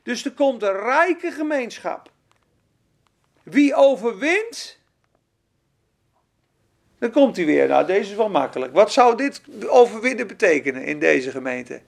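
A preacher giving a fervent sermon, swinging between loud emphatic bursts and quiet asides and putting questions straight to the congregation. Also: medium pitch, very animated, moderate pace, creaky.

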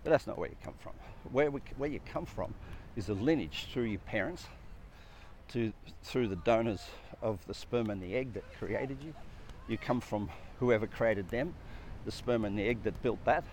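A man's medium-pitched, darkish voice carries an earnest, reflective spiritual talk on the soul and purpose; he is a speaker on personal growth. Repetition marks his style as he strings together question after question and phrase after phrase. Traffic hums quietly behind.

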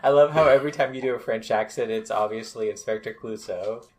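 A man's voice: on the low side, quick pace, crowd noise. A man co-hosting a casual podcast chat, telling stories with enthusiasm and laughing often. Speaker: podcast co-host.

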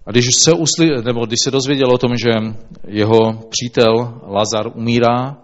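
A man reading scripture aloud and then preaching, in a slow, measured way with small restarts. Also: mid-range voice, steady tone. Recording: dull lo-fi recording.

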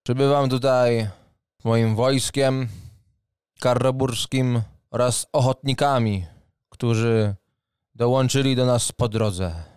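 A man's voice: mid-range voice, fairly even intonation, slow, darkish tone, clear, resonant tone, no room sound, studio quality, lightly acted. A man voicing a proud armoured knight captain in a tabletop game, formal and commanding, with pompous phrasing. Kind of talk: tabletop role-play acting. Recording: music under the voice.

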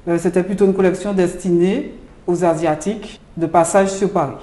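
A woman's voice: on the low side, steady tone, normal speed, mellow. A woman from Martinique, a jewelry designer, answering interview questions in a hesitant way with many filler sounds. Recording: roomy echo.

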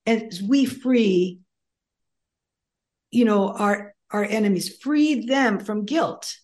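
A woman's voice: medium pitch, animated, slow, darkish tone. An older woman whose first language is Greek, talking as a guest in a casual interview, rambling with frequent ums and restarts. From United States. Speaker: author and guest.

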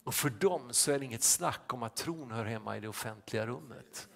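A male pastor telling a personal anecdote in a sermon, halting with many restarts and fillers. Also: mid-range voice, vocal fry, a bit bright.

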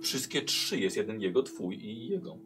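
A man acting as game master, narrating a tabletop role-playing session with lively pacing and bursts of shouted urgency. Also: lowish voice, normal speed, over music.

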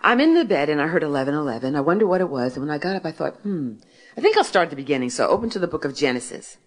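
A woman in her sixties from Philadelphia speaks to a gathered audience about her faith. Her voice sits low and deep. She tells her story warmly paced, asking questions and answering them herself. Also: big pitch swings, racing. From Philadelphia, United States. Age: 60s. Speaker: author and speaker. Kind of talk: faith testimony talk to an audience.

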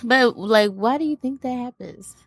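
A woman's voice: fairly high pitch, moderate pace, slightly rough, no room sound. A woman in her thirties hosting a casual group chat, easygoing, laughing often and steering the topic. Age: 30s. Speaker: podcast host.

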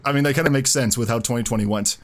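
A man's voice: mid-range voice, rapid-fire. A man hosting a casual podcast, chatty and talkative, with filler words and restarts. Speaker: podcast host.

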